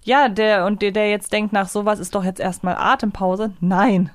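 Dry-recorded, mid-pitched female co-host. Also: steady tone, normal speed, no room sound. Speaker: podcast co-host. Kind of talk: conversational, analytical discussion.

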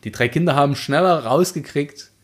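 A man's voice: a little high, normal speed. A man co-hosting a casual book podcast, arguing his points in blunt, slangy language. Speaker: podcast co-host.

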